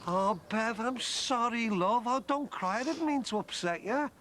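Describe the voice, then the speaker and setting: A bluff man, middle-aged, chatty and jokey, lively ups and downs in pitch, faint hiss. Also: measured pace, full character voice. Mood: pleading. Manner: chatty, jokey, wordy mock-formal speeches. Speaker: neighbour courting his partner. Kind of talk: TV soap acting.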